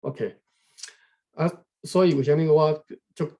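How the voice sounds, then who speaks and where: A man from Taiwan reading a history book aloud unscripted, thinking aloud, pausing to look up words and adding frequent tag particles. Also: fairly high pitch, fairly even intonation, mellow. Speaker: reader explaining a history book to viewers. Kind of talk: unscripted read-aloud with running commentary.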